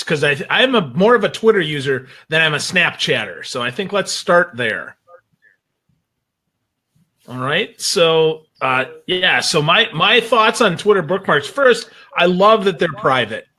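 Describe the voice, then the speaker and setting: A man's voice: sits high, very animated, unhurried, pushed and bright, breathy edge. A man chatting casually and in an upbeat way as a guest on a talk show. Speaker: guest sales trainer.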